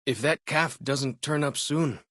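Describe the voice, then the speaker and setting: An actor playing a young tribal scout in a video game, friendly, eager and earnest, speaking in simple, informal phrasing. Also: male voice, fairly high pitch, unhurried, a bit bright, dry recording, studio quality. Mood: informative, friendly. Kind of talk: video game character dialogue.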